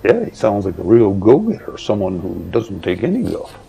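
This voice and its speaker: A man's voice: fairly low pitch, huge pitch swings, normal speed, dark tone, heavily acted. An actor playing a principled, defiant male reporter in an audio drama, earnest and insistent in his delivery. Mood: confiding. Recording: clearly noisy background, hobby recording.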